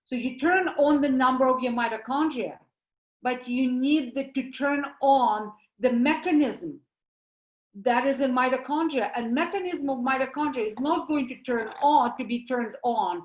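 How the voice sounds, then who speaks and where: A woman with a Russian accent giving an animated, emphatic health talk, explaining things through everyday comparisons. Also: high voice, moderate pace, roomy sound. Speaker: doctor giving a presentation.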